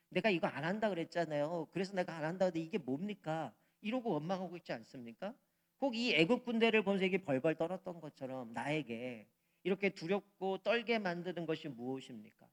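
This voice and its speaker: Emphatic Korean pastor preaching a sermon. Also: male voice, high voice. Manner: emphatic, asks the congregation questions.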